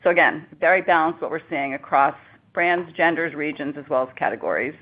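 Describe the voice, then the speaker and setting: A woman's voice: sits low, a little fast. A woman speaking as a chief executive on an earnings call, giving upbeat business answers over a narrow phone line. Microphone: conference call line.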